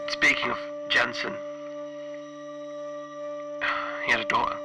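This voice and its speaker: A man playing an anxious, isolated spaceship engineer recording log entries, halting and stammering, his phrases trailing off breathily. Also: mid-range voice, fairly even intonation, over music, close to an everyday voice. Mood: uneasy, bitter. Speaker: player of a solo tabletop horror game. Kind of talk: in-character audio log, dramatic monologue.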